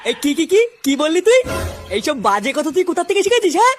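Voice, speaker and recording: A blustering cartoon father in a very high, pitched-up voice. His delivery swings wildly and rattles along fast, full of scolding and swearing. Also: big pitch swings, soft background music. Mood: indignant. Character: hot-tempered foul-mouthed cartoon father. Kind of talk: exaggerated comedy cartoon acting.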